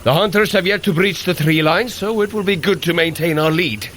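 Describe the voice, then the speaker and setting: An actor playing a hearty, commanding Norse thunder god in an audio adventure drama, declaiming in old-fashioned heroic speech. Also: male voice, high voice, fairly quick, a bit bright, slight background noise. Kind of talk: audio adventure drama acting for a fitness running app.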